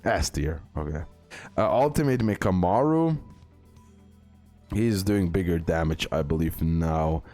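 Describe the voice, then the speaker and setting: A man's voice: low-pitched, expressive, unhurried, pauses often, mellow. A man hosting a gaming video with casual, unscripted commentary, often repeating himself and checking in with the viewer. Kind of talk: casual unscripted game tier-list commentary. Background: music.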